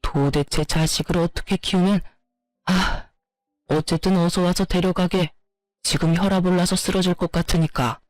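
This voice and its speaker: A woman voicing a stern, angry older father who gives gruff commands on the phone. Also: fairly low pitch, steady tone, moderate pace, darkish tone, no echo, close to an everyday voice.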